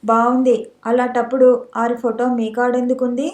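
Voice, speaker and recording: A woman's voice: on the high side, level tone, moderate pace, a little mellow, echoey room, close to an everyday voice. A woman voicing a frank, earnest village maidservant who speaks in rustic village dialect. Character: village maidservant, middle-aged, earnest and blunt.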